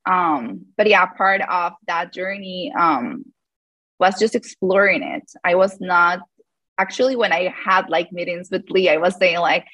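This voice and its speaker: A woman's voice: lowish voice, unhurried, bright, forceful tone, dry recording. Hesitant woman in her thirties. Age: 30s. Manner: hesitant, lots of fillers and restarts, laughs often. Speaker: guest, yoga teacher. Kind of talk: casual live-call interview.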